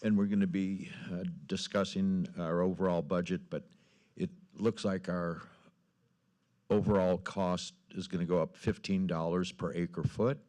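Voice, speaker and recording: Man, council member, very deep pitch, low-key, halting, informal meeting update. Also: steady tone, darkish tone.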